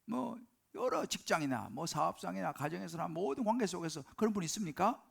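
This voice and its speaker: Male pastor, live sermon in a church. High voice with gravel, emphatic, keeps questioning the pews. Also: lively intonation, brisk. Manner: emphatic, rhetorical questions to congregation. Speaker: senior pastor. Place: church sanctuary during service.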